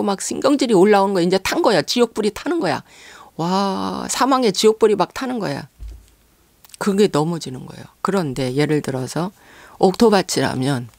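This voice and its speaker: A woman pastor preaching a sermon, earnestly posing rhetorical questions to the congregation and pausing on fillers between phrases. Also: mid-range voice, creaky, darkish tone, no echo.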